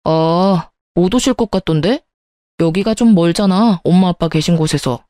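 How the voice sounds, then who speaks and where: A woman's voice: lowish voice, moderate pace, warm tone, no room sound, studio quality, natural voice. A woman voicing a dismissive, irritable husband with curt, scornful retorts in a scripted story reading.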